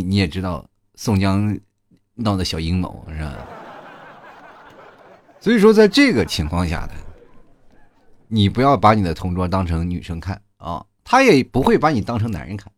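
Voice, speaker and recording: A young man from Inner Mongolia, hosting a comedy podcast and telling funny school stories in a chatty, animated way, full of asides to listeners. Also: sits low, normal speed, long pauses. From Inner Mongolia, China. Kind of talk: comic storytelling monologue.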